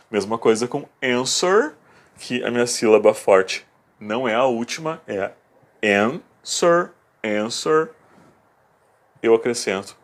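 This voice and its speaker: Brief: male teacher, measured slow delivery, patient step-by-step explainer. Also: medium pitch, darkish tone. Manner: patient, step-by-step, repeats key words slowly. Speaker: English teacher. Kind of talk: video lesson explanation.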